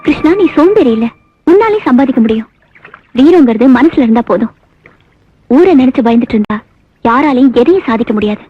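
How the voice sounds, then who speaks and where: An earnest young village woman, firm and reassuring. Her high, quick voice comes through a dull, muffled soundtrack. Loud music runs behind her lines. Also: animated, breathy edge. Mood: encouraging. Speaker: heroine. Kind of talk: 1990s film dialogue.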